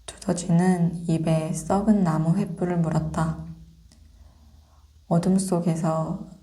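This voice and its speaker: A woman reading a fairy tale as ASMR in a soft, breathy, whispery low voice, gently and without hurry. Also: steady tone. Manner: slow, gentle, unhurried. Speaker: ASMR storyteller.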